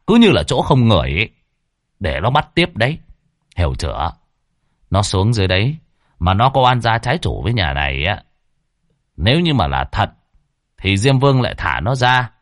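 A stern young exorcist scolds and gives firm orders in a lowish, lively voice, as a man acts him out. The sound is close and dry. It is a storybook figure. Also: no room sound.

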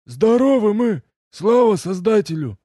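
A man plays a devoted red-haired servant with a high, lively voice that climbs and falls as he cries out. He drags his words out in loud exclamations, and the recording is close and dry. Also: unhurried, no room sound, exaggerated voice. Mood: eager. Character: red-haired male servant, loyal, overjoyed, excitable.

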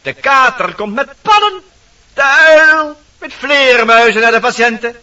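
Bossy little dwarf, extremely high piercing voice, indignant theatrical delivery, distant muffled old recording. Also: male voice, expressive, a little slow, bright, forceful tone, full character voice. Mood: matter-of-fact, explaining. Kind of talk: theatrical Dutch fairy-tale radio play.

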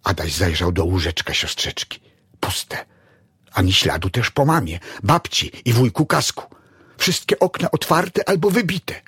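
Husky, expressive male storyteller. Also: on the low side, a little slow, dry recording, studio quality. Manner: dramatic, expressive reading. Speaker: narrator. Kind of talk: audiobook story narration.

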